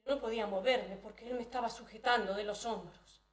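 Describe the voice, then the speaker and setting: A woman's voice: fairly high pitch, fairly even intonation, quick pace, distant mic. A woman performing a first-person dramatic monologue, hesitant, with frequent restarts. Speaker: storyteller. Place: live event hall. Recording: roomy hall, voice from afar.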